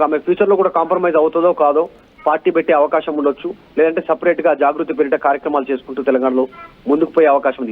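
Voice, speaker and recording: Fast, husky man reporting news. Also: on the high side, phone-quality sound. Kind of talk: unscripted live news analysis.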